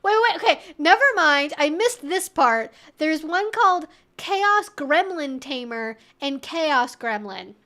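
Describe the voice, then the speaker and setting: A woman's voice: high voice, expressive, slow, few pauses, bright, forceful tone. A woman hosting a live Q&A stream, thinking aloud in an informal, chatty, wry and opinionated way.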